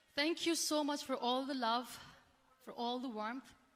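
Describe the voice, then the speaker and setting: A woman uses a raised, projected voice with high pitch, ordinary pitch variation, and a fairly slow pace. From Pakistan. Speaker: motivational speaker. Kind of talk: motivational speech.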